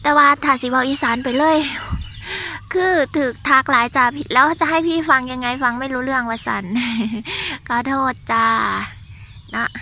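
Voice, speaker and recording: A woman's voice: high-pitched, moderate pace, bright, forceful tone, a little hiss or hum. A woman with an Isan accent giving a chatty walking tour of her vegetable garden, exclaiming and talking straight to her viewers.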